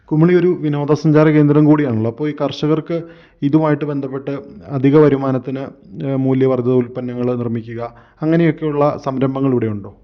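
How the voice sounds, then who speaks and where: Male farm-radio host, mid-pitched, formal questions and brief murmured assents, dull lo-fi radio sound. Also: steady tone, fairly quick.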